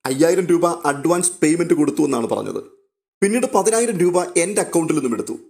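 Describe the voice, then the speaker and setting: A stern older father who rules his household, with a commanding and interrogating manner, as a man reads his lines. The delivery is fast and sits a little high. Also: very animated, vocal fry, a little mellow.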